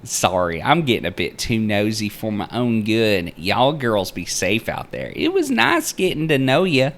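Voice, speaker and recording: A man's voice: fairly low pitch, sing-song, measured pace, a bit bright, voice pushed up, exaggerated voice. Game role: nosy, chatty young mother, folksy and teasing, raised swooping voice, performed by a man. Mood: cheerful farewell. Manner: folksy, over-familiar.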